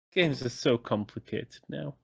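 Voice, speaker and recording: A man's voice: medium pitch, vocal fry, breathy edge, no room sound, clean studio sound. A man co-hosting a gaming podcast, talking casually in rambling, self-correcting sentences and swearing now and then. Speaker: podcast co-host.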